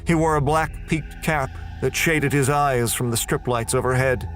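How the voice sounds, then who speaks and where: A man's voice: medium pitch, normal speed, a bit bright, faint music behind. A man performing scripted, dramatic first-person narration for a horror audio drama.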